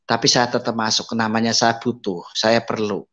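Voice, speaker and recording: A blind man shares an emotional personal testimony, calling his listeners brothers and sisters, slipping into soft asides and lifting his pitch to voice the people he quotes. His delivery is flat and moderately paced, and the lo-fi audio sounds slightly dull.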